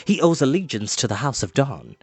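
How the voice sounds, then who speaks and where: A man voicing an excitable, theatrical male bard, a warm-hearted boaster with a gushing, exclaiming manner, for a storybook. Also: mid-range voice, a little fast, husky, no echo, full character voice. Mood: awed, confiding.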